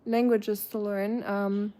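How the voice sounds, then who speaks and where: A woman from Germany's Black Forest with a German accent, chatting casually with viewers on a livestream, warm and chatty with fillers and soft laughs, her voice trailing quietly at phrase ends. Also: mid-range voice, level tone, slow pace. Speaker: livestream host. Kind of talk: casual chat, reading viewer comments aloud.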